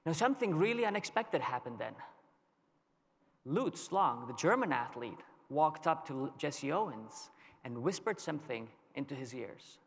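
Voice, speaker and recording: A man from Lebanon giving a conference keynote, telling a story in a measured way with dramatic pauses. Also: on the high side, expressive. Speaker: keynote speaker. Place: large conference hall. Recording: long reverb of a large hall.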